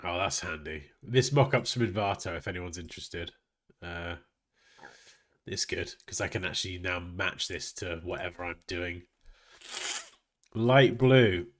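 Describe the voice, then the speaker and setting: A man's voice: low-pitched, measured pace, pauses often. A man hosting a live design tutorial, talking casually as he works, sniffly and nasal from a blocked nose. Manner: chatty, thinking aloud while working. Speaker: graphic design livestream host.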